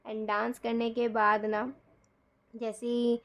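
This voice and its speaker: Woman tarot reader, chatty storyteller, slightly high voice, acts out dialogue. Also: slow. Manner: chatty, animated, acts out quoted lines, laughs often. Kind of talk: casual storytelling tarot reading.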